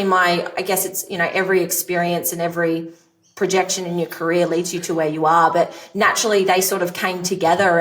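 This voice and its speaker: An Australian coach in her thirties with a rural Australian accent chats as a podcast guest, upbeat and explanatory. Her voice is on the low side with a fairly bright tone. She sounds far from the mic.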